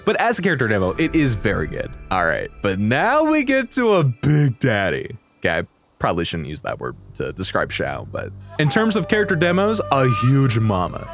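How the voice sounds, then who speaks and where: A young man giving casual, excited reaction commentary, gushing in slangy, lightly sweary speech. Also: medium pitch, moderate pace, soft background music. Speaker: video creator reacting to game trailers.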